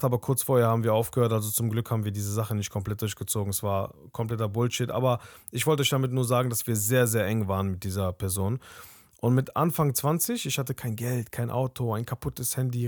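A young man speaks at a middle pitch in a candid, conversational podcast voice and tells a personal story. His voice is close and dry, with no room sound around it. He keeps tagging his sentences with a little questioning aside. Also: darkish tone, no echo. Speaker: podcast host.

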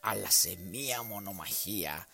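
Guy doing a creaky gossipy storyteller, music in the back. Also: on the low side. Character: gossipy man recounting witch rivalry.

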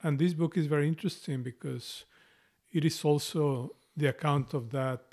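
A man's voice: a little high, moderate pace, darkish tone. A middle-aged man with a strong Mexican Spanish accent, co-hosting a casual book talk and often restarting his phrases. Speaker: podcast co-host.

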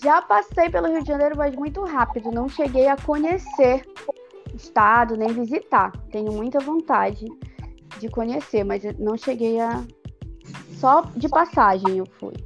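A woman, chatting casually as a guest author in an interview, explaining things in an animated way. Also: high voice, moderate pace, creaky, faint music behind. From Pará, northern Brazil.

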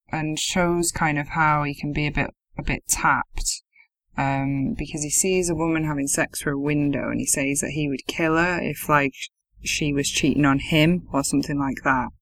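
Woman, podcast co-host, casual film chat, gravelly edge, dry close sound, swears and laughs a lot. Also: deep voice, fairly even intonation, a little slow, fairly bright tone, no room sound. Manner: laughs often, swears freely, incredulous.

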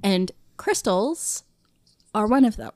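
Woman, sweet animated-princess voice, blunt and sweary podcast guest in casual chat, dry close sound. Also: mid-range voice, slow pace, no echo.

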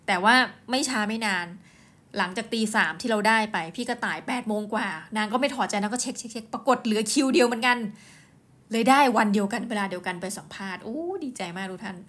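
A lively woman host chats through a personal story as if to a friend. Her voice sits at an ordinary middle pitch. She throws in quick exclamations and keeps turning to speak straight to her listeners. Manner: chatty, animated, often addresses listeners directly.

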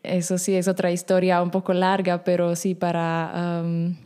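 A woman whose first language is Slovak, speaking as a podcast guest in a casual chat, pausing often with fillers. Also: on the low side, completely flat delivery, warm tone, smooth. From Slovak minority in Romania. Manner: hesitant, many fillers.

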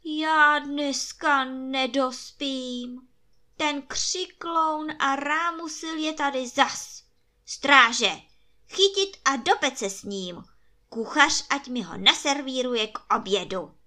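A woman's voice: high voice, animated, bright, forceful tone, voice pushed up, exaggerated voice. A woman voicing a grumpy, sleep-deprived emperor in a storybook tale who barks orders at his guards. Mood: irritable. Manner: barking orders.

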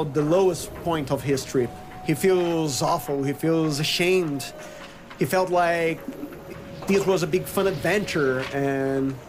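Man, fairly high voice, halting tabletop storytelling, slow pace, noticeable background ambience. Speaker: player in a tabletop role-playing game. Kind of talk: improvised in-character storytelling. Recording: clear background noise.

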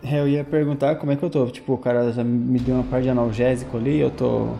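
A man's voice: mid-range voice, level tone, quick pace, creaky, mellow. A man talking casually as a player in a tabletop role-playing session.

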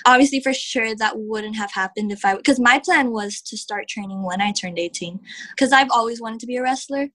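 A young woman from Texas, a professional wrestler, answering interview questions in a chatty way, full of "like" and quick laughs. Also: fairly high pitch, fairly bright tone. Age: young adult. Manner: chatty, heavy use of "like", laughs often.

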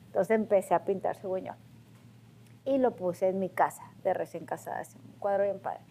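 A Mexican woman in her forties tells her own story to the camera in a relaxed, chatty way. She is lively and bumps her voice up whenever she acts out what someone said. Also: mid-range voice, normal speed, slight background noise. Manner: lively, acts out quotes in a raised voice. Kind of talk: casual personal storytelling to camera.

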